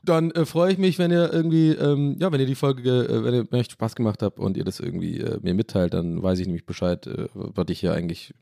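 A man's voice: medium pitch, fairly quick, vocal fry, hardly any pauses, dark tone, no room sound, clean studio sound. A young man hosting a casual solo podcast, rambling and ranting with casual swearing. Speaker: podcast host.

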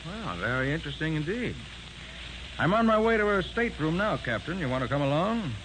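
An actor playing a confident, commanding male master detective in a brisk 1940s radio style. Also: on the high side, big pitch swings. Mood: brisk, assured. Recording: noisy, hissy 1940s radio recording.

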